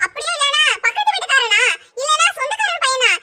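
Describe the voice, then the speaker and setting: A woman's voice: extremely high pitch, expressive, fast. A woman voicing a blunt, sarcastic young woman who taunts her relatives. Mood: taunting. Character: sharp-tongued young woman, cousin Aishu. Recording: loud background noise.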